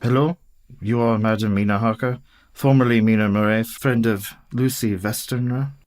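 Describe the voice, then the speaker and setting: An actor in a radio play playing a learned, gentle and grave elderly professor who speaks in a formal, measured way. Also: male voice, medium pitch, steady tone, lightly acted. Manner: formal, courtly, measured speech.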